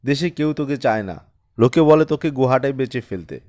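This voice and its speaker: A man voicing a poor, weary village farmer father who speaks in a soft, hushed, pleading way in an audiobook. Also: mid-range voice, lively intonation, brisk, close to an everyday voice. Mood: tender. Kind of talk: audiobook character reading.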